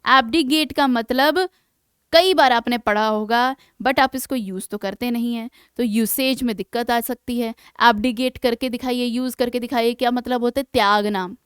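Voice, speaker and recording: A woman teaching English vocabulary for exam preparation, explaining in Hindi and reading English example sentences slowly and deliberately, often checking in with her students. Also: on the high side, smooth, no echo. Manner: keeps checking in with "है ना". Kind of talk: exam-prep vocabulary lesson.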